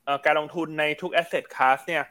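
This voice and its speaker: A man's voice: on the high side, fairly even intonation, normal speed, sharp tone. A man hosting a live stock market talk show, chatty and upbeat, often asking viewers to write in.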